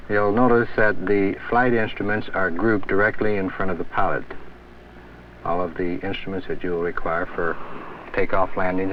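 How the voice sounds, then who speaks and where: A man working as a flight instructor, giving hands-on instruction one step at a time. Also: fairly low pitch. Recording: dull distant recording, loud aircraft engine noise. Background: aircraft engine noise.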